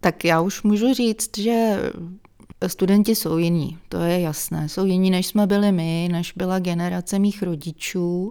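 Speaking at a fairly slow pace, a woman with a dark, mellow tone keeps her intonation fairly even in a very clean recording with a silent background. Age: 50s. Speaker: university lecturer in economics. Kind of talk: interview. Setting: studio.

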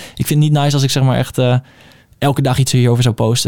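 This is a man's voice. His pitch is fairly high. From Groningen, Netherlands. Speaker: musician and YouTuber. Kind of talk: casual interview chat.

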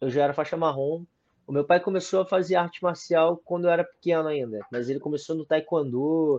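A man talks at a fairly quick pace in a fairly high pitch, his dark, mellow tone carrying fairly even intonation over a dry, close sound with no echo. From Rio de Janeiro, Brazil (Copacabana). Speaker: jiu-jitsu fighter. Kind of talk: casual chat.

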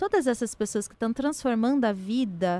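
A woman talks at a moderate pace with very wide pitch swings, in a dry, close sound with no echo. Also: very clean recording, silent background. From São Paulo state, Sorocaba region (Itu). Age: 30s. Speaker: state legislator. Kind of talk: interview.

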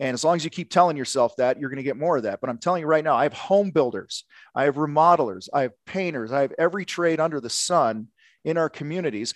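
A man talks at a very fast pace in a fairly high pitch. The sound is dry and close with no echo, over a quiet background. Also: ordinary pitch variation. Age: 50s. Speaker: contractor business coach. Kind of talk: casual interview.

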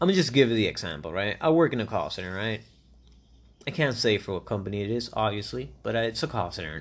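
Over a quiet background, a man with a fairly low pitch and vocal fry talks at a fairly quick pace, his pitch swinging very widely. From Puerto Rico. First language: Spanish. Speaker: podcast host. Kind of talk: casual solo monologue. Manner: casual, rambling.

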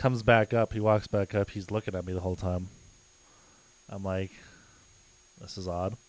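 Soft-spoken yet with big swings in loudness, the voice keeps a monotone, flat intonation at a moderate pace, with a dry, close sound and no echo. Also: man, fairly low pitch for a man. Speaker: podcast co-host. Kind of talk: casual chat.

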